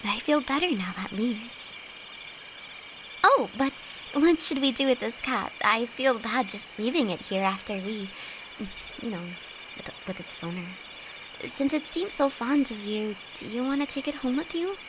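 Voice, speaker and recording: A woman's voice: on the high side, lively intonation. A woman playing a timid, affectionate young apprentice alchemist in an intimate fantasy audio roleplay, speaking hesitantly to her best friend. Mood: shy, relieved. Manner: hesitant, halting, soft-hearted. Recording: noisy, with night insects behind. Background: crickets and night forest ambience.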